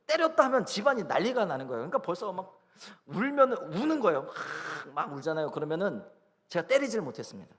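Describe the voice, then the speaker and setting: A middle-aged male pastor delivers an emphatic sermon, his high voice swinging widely between forceful peaks and soft drops. The long reverb of a church sanctuary rings around each line. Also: sing-song, quick pace. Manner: emphatic, swings from shouting to near-whisper.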